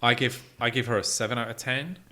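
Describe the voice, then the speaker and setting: Bright, forceful man co-hosting a podcast. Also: medium pitch, fairly even intonation, fast. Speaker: podcast co-host reviewing albums. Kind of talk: casual chat.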